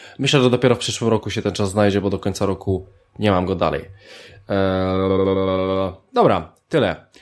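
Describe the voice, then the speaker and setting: At a moderate pace, an ordinary speaking voice delivers its words with fairly even intonation. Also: man, fairly low pitch for a man. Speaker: gaming podcast host. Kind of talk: casual chat. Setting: studio.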